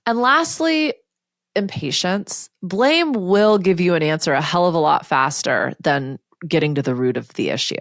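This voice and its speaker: Low-voiced candid woman podcaster. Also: dry recording, studio quality. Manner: candid, conversational, occasionally profane; acts out other people's lines in quick put-on voices. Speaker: podcast host and coach. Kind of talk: casual solo podcast talk.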